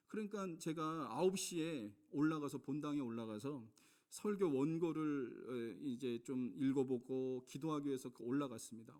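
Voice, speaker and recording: A middle-aged man from South Korea, a pastor preaching a sermon, swinging between loud emphatic lines and hushed storytelling and asking the congregation questions. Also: a little high. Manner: addresses the congregation with rhetorical questions.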